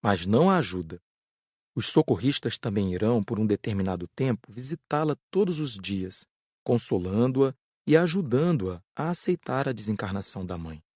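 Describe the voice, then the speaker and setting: A Brazilian man voicing a compassionate spirit teacher in an audiobook, explaining gently with a slightly husky voice. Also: lowish voice, sing-song, moderate pace, dry recording, studio quality. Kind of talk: audiobook dialogue reading.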